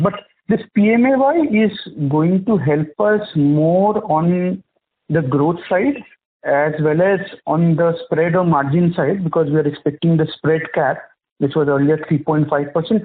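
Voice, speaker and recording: A man's voice: moderate pace, slight background noise. An Indian-accented man asking questions as an analyst on an earnings call, phrasing them in a hesitant, roundabout way. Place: telephone conference call. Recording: muffled, low-fi conference phone line.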